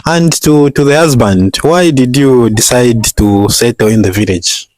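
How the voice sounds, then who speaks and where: A man's voice: medium pitch, a little slow, a little mellow, no room sound. A man hosting a casual video interview, asking questions in long winding sentences and laughing often. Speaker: vlogger interviewer.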